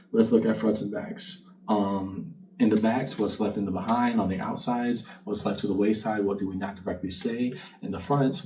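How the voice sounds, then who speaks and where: A man's voice: on the low side, darkish tone. A man hosting a casual tarot reading, talking to the viewer in a conversational, reflective way. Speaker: tarot card reader and channel host. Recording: distant mic with faint background noise.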